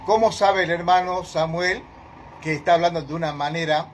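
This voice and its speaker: A man's voice: a little high, steady tone, normal speed, a little hiss or hum. A man leading a Bible study, teaching emphatically and questioning his listeners directly.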